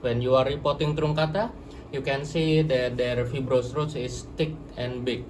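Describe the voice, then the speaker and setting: Slow-spoken Indonesian-accented man. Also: mid-range voice, noisy background. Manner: slow, searching for words, explanatory. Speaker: plant grower and channel host. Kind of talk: casual instructional vlog.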